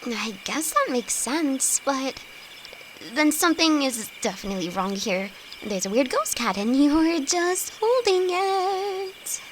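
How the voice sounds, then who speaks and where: A woman's voice: high-pitched, takes it slowly, low-quality recording. A woman acting a timid, affectionate young apprentice alchemist in an intimate audio roleplay, nervous, stammering and hesitant, speaking to her best friend. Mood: alarmed, confused. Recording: insect and cricket noise behind voice. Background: night forest ambience with crickets.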